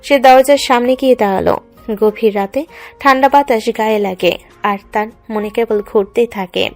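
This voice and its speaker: A woman's voice: fairly high pitch, moderate pace. A woman reading dramatic scripted narration for a love story. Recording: music under the voice.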